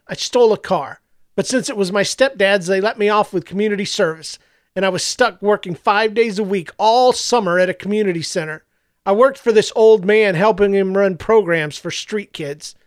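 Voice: medium pitch, moderate pace, no echo, studio quality, lightly acted. A narrator voicing a smug, boastful male superhero who is secretly a villain, talking in a mocking, sly way.

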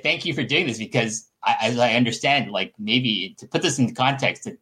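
Bright-voiced male podcast host, halting delivery. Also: mid-range voice. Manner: halting, repeats words as he goes. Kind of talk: casual interview chat.

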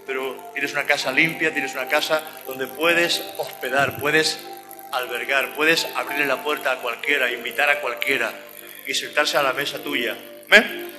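A man's voice: medium pitch, in a large hall. A man from preaching a fervent sermon and closing prayer, repeating phrases and saying "amén" often. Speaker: lay preacher and cell group leader.

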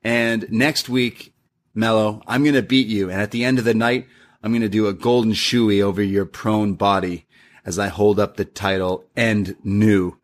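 A young man casually recapping a wrestling show, retelling lines in a lively, animated way. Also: on the low side, normal speed. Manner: lively recap with acted-out quotes.

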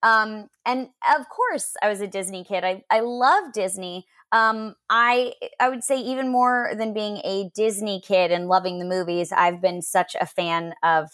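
Woman, casual chat, reflective, lots of ums, mid pitch. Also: unhurried, few pauses, fairly bright tone. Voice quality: voice that gets lost. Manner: chatty, reflective, many fillers.

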